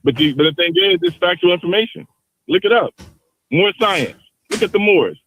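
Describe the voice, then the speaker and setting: A man's voice: high-pitched, expressive, normal speed, a bit bright, dry recording, rough recording. A man in his fifties calling into a live show, arguing insistently and repeating the same points again and again. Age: 50s. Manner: insistent, repeats himself over and over. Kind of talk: heated call-in debate.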